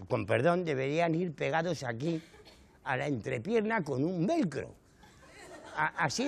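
Here the middle-aged comedian's voice is a little high and gravelly, with a Canary Islands Spanish accent. Performing a stand-up monologue for a live studio audience, he tells his stories with indignant exaggeration and peppers them with rhetorical asides.

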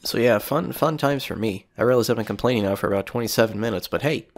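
A man's voice: medium pitch, fast, slight background noise. A man with a cold, sniffling as he chats casually and rambles while playing a video game. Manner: rambling, chatty, swears casually. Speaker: gameplay commentator. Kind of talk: casual let's play commentary.

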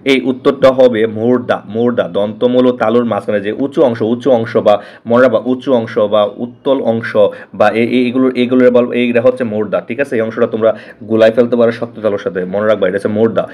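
A man's voice: mid-range voice, steady tone, a little fast, a little mellow. A man with a Bangladeshi Bengali accent teaching an online exam-prep lesson, repeating answers and telling students directly what is important.

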